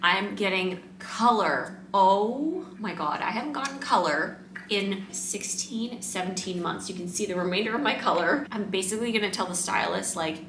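A woman in her thirties chatting casually to viewers in a bubbly, excitable, girly manner, recorded at home. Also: mid-range voice, normal speed. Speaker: vlogger. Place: indoors at home, living room and kitchen. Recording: roomy echo, faint background noise.

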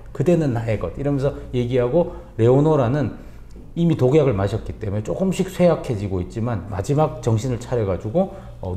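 A man retelling an opera's story in a lively way, acting out the characters' lines as he goes. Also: medium pitch. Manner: animated, acts out characters' lines in quotes. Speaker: music critic guest. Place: coffee bar. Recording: roomy echo.

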